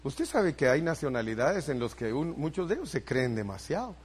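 A man's voice: on the high side, big pitch swings, brisk, slightly rough. An older male pastor preaching a sermon, asking the congregation for responses and building emphasis.

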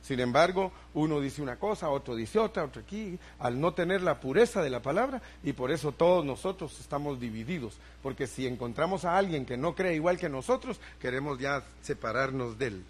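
A man's voice: a little high, expressive, fairly quick, hardly any pauses, breathy edge. An older male pastor preaching a sermon, asking the congregation for responses and building emphasis.

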